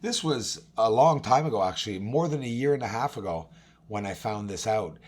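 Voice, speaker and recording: A man with a hoarse, raspy, recovering voice hosts an informal walkthrough of images, talking emphatically and directly to his viewers. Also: fairly low pitch, lively intonation, brisk. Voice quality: raspy, husky. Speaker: video host, amateur telescope observer.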